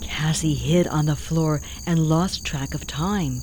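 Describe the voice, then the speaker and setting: A woman's voice: low-pitched, slow pace, a little mellow. A woman playing an ominous storyteller, narrating a spooky tale in a horror radio play. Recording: very noisy, insect sounds behind.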